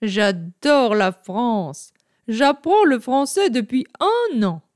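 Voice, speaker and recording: A woman voicing a jolly middle-aged male pizza chef who speaks in a hearty, booming way. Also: big pitch swings, takes it slowly, darkish tone, no room sound, clean studio sound. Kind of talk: scripted language-lesson role play.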